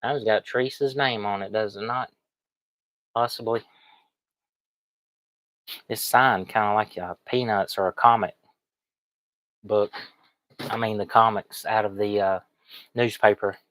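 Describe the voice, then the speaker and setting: A man's voice: fairly low pitch, steady tone, measured pace, pauses often, a bit bright, dry recording, rough recording. A man with a cold chats in a rambling, folksy way as he shows items to viewers in a casual livestream. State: sniffly, has a cold. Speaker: online reseller streaming.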